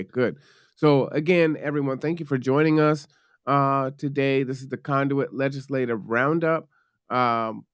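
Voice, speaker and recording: A man's voice: mid-range voice, clean tone, no echo, clean studio sound. A man hosting a live show, talking loosely and chattily with fillers. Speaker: host.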